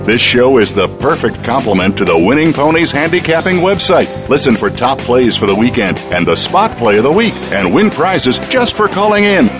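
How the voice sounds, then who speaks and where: A man reading a radio show promo with a lively, salesy delivery. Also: mid-range voice, moderate pace, hardly any pauses, music in the background. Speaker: announcer.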